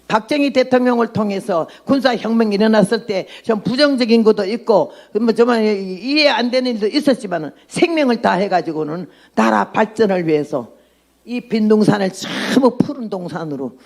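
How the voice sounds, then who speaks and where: A woman's voice: medium pitch, animated, moderate pace, darkish tone. A woman in her nineties, a missionary preacher, giving a blunt, outspoken sermon and testimony. She often laughs at her own remarks and throws questions at the congregation. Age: 90s.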